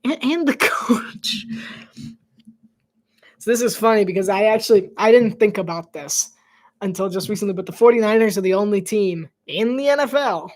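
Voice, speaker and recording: A man giving casual live play-by-play commentary, chatty and rambling, breaking into laughter and dropping to soft whispered asides between plays. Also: high voice, moderate pace.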